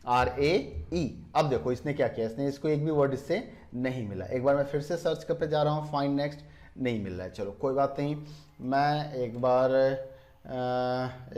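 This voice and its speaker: A man teaching a computer tutorial. He explains each step, slows down to spell out definitions and asks viewers whether they are following. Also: medium pitch, darkish tone. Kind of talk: screen-recorded software lesson.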